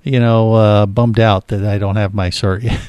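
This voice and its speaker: A man's voice: lowish voice, level tone, measured pace, a little mellow, no echo, studio quality. A middle-aged man co-hosting an aviation talk show, rambling with lots of fillers and chuckles. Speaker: podcast co-host. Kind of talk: casual chat.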